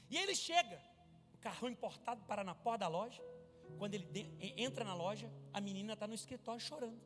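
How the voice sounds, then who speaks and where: A high-pitched male pastor preaching at a church service, his voice ringing through a long hall reverb. He tells his story with acted-out dialogue and erupts into loud shouts, music playing clearly beneath him. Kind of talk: sermon.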